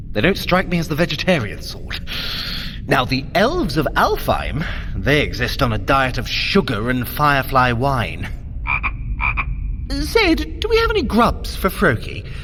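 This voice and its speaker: An actor playing a theatrical, sardonic and vengeful Norse god in an audio adventure, with grandiose, drawn-out delivery addressed to the listener. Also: male voice, medium pitch, a bit bright, a little hiss or hum. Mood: fussing. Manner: grandiose, dramatic, drawn-out delivery with mock-tender asides. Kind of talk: dramatised fitness audio adventure, speaking to the listener.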